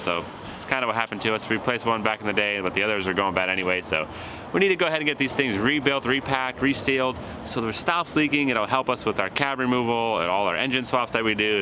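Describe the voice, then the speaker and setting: Easygoing man narrating outdoor repair work. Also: on the low side. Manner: easygoing, thinking aloud while working. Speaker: shop mechanic host. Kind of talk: casual how-to narration. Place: outdoor junkyard. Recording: outdoor noise behind.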